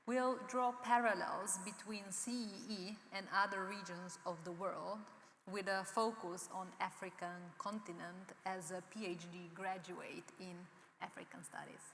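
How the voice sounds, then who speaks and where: A woman moderating a conference panel, introducing the next speaker in a measured, formal way. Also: medium pitch, steady tone, fairly bright tone. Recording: echoey hall with faint noise.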